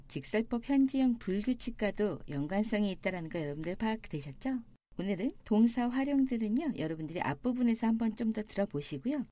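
A woman teaching a language lesson, explaining grammar and reading example sentences slowly and deliberately. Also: mid-range voice, warm tone. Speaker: Spanish teacher.

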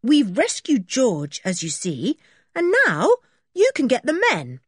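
A woman voicing an eager schoolboy who talks in a bright, lively way. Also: on the high side, slow pace, husky, no room sound, clean studio sound, pitched above the performer's own voice, exaggerated voice. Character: eager schoolboy, cheerful and chatty.

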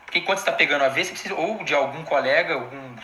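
A Brazilian man lectures colleagues over a live stream in a loose, chatty way, tossing in slang and asides. His voice is bright and a touch high. The audio sounds roomy, with a faint hiss behind it. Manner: informal and animated, full of slang and quick asides to the audience. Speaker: anesthesiologist giving a live online lecture. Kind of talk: casual live-stream teaching talk.

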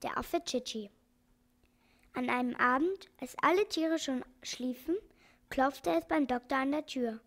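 A woman reading a children's book aloud, telling it in a calm, clear storytelling way. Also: high-pitched, unhurried.

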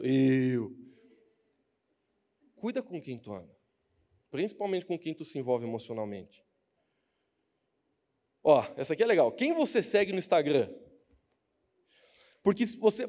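Lively young Brazilian man preaching. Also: a little high. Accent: Brazilian Portuguese. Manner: animated and joking, acting out quoted people. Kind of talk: casual youth sermon.

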